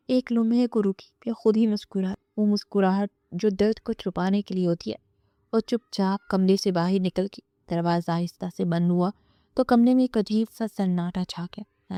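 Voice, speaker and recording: A woman narrating a romance novel in a steady, measured storytelling voice, recorded close to the microphone. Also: mid-range voice, no room sound.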